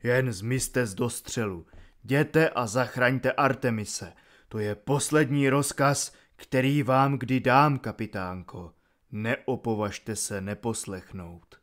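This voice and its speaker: A man reading an audiobook and voicing a wounded male commander who speaks low, slow and strained. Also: fairly bright tone, close to an everyday voice. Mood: grave. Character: wounded gruff male commander, grave and steady.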